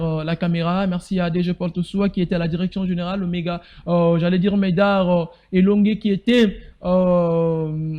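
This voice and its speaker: A Congolese man hosting a TV talk show from a studio, speaking French with a Congolese accent. His voice is high, and he talks indignantly, firing rhetorical questions and sometimes rising to a shout. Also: highs cut off. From Bandundu, DR Congo. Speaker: TV show host. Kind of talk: live political talk show monologue.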